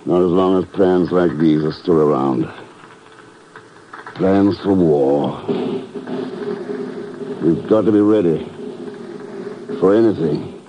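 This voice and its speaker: Grave, resolute secret agent, 1950s radio drama, lowish voice, muffled broadcast. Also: male voice, takes it slowly, long pauses, noisy background. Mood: solemn resolve.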